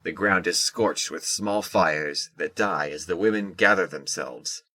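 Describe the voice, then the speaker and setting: A man narrating a scripted audio drama in a measured, descriptive storytelling manner. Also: low voice, pushed and bright, no echo.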